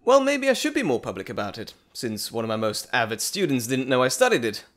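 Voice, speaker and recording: Audio roleplay role, male actor: scholarly gentleman doctor, bashful and well-mannered, eager to ramble, articulate, very varied pitch. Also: big pitch swings, brisk. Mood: flustered, friendly. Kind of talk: audio drama roleplay acting, addressing the listener.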